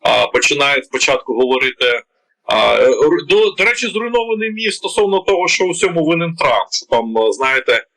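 A man's voice: fairly high pitch, very animated, brisk, creaky, a bit bright, poor audio. A man with a Ukrainian accent giving heated political commentary, indignant and full of rhetorical questions, with many hesitation sounds.

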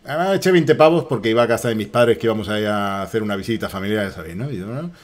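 A man's voice: on the low side, lively intonation, very fast. Swearing, jokey Spanish streamer man. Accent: Spain Spanish. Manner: loud, swearing, jokey anecdotes. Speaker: streamer and voice actor. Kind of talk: casual livestream storytelling. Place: echoey room.

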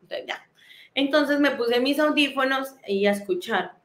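A young woman shares a heartfelt personal testimony. Her voice sits a little high, and she talks in loose, repeating phrases with many fillers. The room around her adds a clear echo. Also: unhurried. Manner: heartfelt, many fillers and repetitions, soft laughs. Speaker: guest giving a testimony. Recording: roomy echo.

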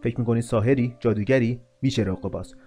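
A man's voice: mid-range voice, dark tone, faint music behind, close to an everyday voice. Man reading as a scornful nobleman. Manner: scornful, pleading, insulting. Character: arrogant, desperate young nobleman in chains.

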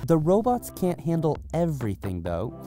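A man narrating a scripted news voice-over in a smooth, lively way. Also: a little high, moderate pace. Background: soft background music.

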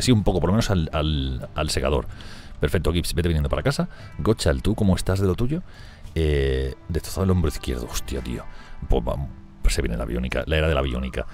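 A man commenting on a strategy game he is playing, talking fast and excitably, swearing and laughing often. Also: extremely low pitch. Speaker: gameplay streamer.

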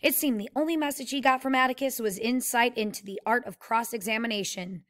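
A woman reading a novel aloud in a steady, plain way and pausing to explain the story like a teacher. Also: a little high.

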